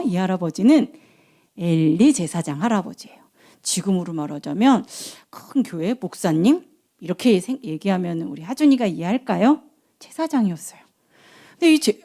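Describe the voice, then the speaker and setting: A young woman preacher with a mid-range voice tells children a Bible story with lots of animation, asking them questions and acting out the different voices.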